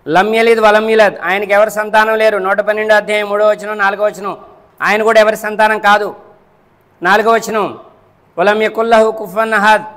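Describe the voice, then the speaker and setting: A man preaches a Friday sermon in a high, ringing voice. He keeps asking whether his listeners are following, repeats his lines and counts off his points one by one. His voice trails off into the long echo of a large hall. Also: a bit bright. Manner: rhetorical, keeps checking the listeners understand.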